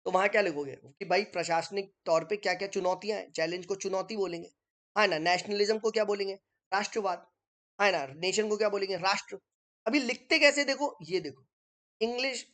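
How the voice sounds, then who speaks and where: A man's voice: sits high, brisk, a bit bright. A male teacher talks through an online exam-prep lesson in a chatty, conversational way. He explains each point step by step and keeps checking in with his listeners. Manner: explains step by step while writing on screen.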